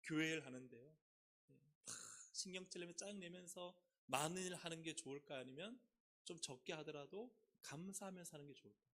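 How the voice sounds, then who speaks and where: A man's voice: fairly quick, a bit bright. A male pastor preaching a sermon in a church, asking the congregation questions and leading them in reading aloud. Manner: asks the congregation questions and leads responsive reading with sweeping pitch swings. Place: church sanctuary.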